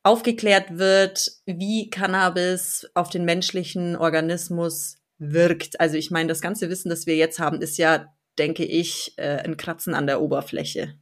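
A woman's voice: on the low side, flat delivery, unhurried, hardly any pauses. A woman in her thirties from the Allgäu in southern Germany, speaking earnestly and enthusiastically as an interview guest. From Allgäu, Bavaria, southern Germany. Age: 30s. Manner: enthusiastic, earnest, laughs easily. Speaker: interview guest, blog founder and editor. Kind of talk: conversational podcast interview.

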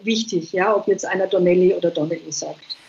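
A woman's voice: lowish voice, fairly even intonation, a little fast, gravelly, a little mellow, a little hiss or hum. An older woman from Vienna, a guest author chatting in a remote interview and filling her thoughts with ums. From Vienna, Austria. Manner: chatty, thinks aloud with many fillers. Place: at home on a holiday island, remote. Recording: dull lo-fi remote line.

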